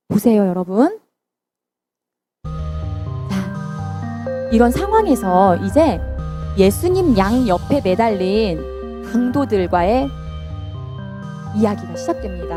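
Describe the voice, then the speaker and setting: A woman preaching to children in church, telling the story and asking them questions. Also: mid-range voice. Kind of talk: children's sermon.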